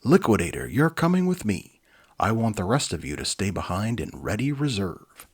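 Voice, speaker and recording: A man's voice: fairly low pitch, big pitch swings, moderate pace, slightly rough, full character voice. A man voicing a curt, authoritative male team leader in a children's storybook, giving snappy orders. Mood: commanding.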